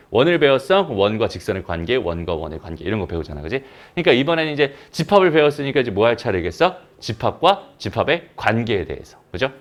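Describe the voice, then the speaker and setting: A male math teacher giving a recorded lecture. His pitch rises and falls a lot as he talks. He keeps asking the class quick questions and then answers them himself.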